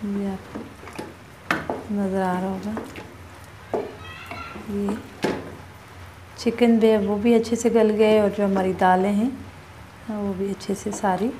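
A woman at her home stove talks viewers through a recipe in a calm, instructive voice at an ordinary pitch. A faint hiss of frying and kitchen noise sits under her voice. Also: slow, pauses often. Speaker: cooking vlogger. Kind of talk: step-by-step cooking narration.

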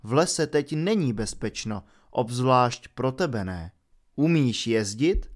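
A man voicing a young male centaur in an audiobook, speaking in a measured, earnest way. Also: mid-range voice, animated, natural voice. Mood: grave. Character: young male centaur, calm grave protector. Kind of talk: audiobook character voice.

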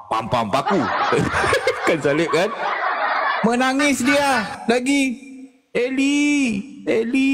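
A man holding forth in a mocking live-stream discussion, laughing often and taunting his listeners. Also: on the high side. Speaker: debater in an online faith discussion. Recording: echoey with loud background noise.

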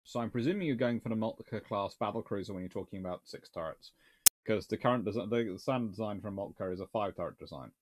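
A man's voice: lowish voice, fast talker, a little mellow. A man in his thirties, a naval historian answering viewer questions in a casual livestream from a small book-lined room, thinking aloud and restarting sentences as he goes.

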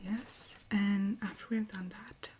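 A woman playing a friendly, patient Christmas elf helper in an ASMR roleplay, speaking softly and breathily, often in a whisper. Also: mid-range voice, fairly even intonation, slight background noise, close to an everyday voice. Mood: calm, instructive. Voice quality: soft, breathy, frequently whispering. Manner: gentle, encouraging, unhurried. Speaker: ASMR performer.

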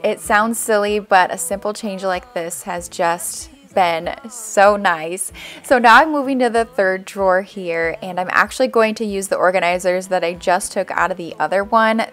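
A woman's voice: medium pitch, moderate pace, fairly bright tone. Chatty upbeat woman vlogger. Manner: chatty and upbeat, easy asides. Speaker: vlogger, stay-at-home mom. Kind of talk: casual voice-over narration.

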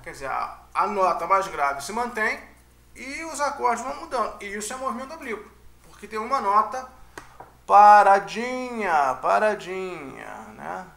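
Man, Brazilian Portuguese accent, high gravelly voice, chatty music teacher, echoey room. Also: big pitch swings, moderate pace, sharp tone. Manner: chatty, checks in with "né?" and "tá?". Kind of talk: casual explanatory lecture.

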